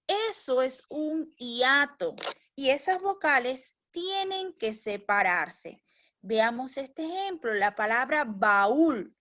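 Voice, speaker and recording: A woman's voice: high-pitched, a bit bright. A woman teaching a recorded language lesson for children. She explains step by step, speaks to the pupils fondly and keeps checking that they follow. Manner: patient, explains step by step, calls pupils "mis niños", checks with "¿ya?". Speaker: primary school teacher.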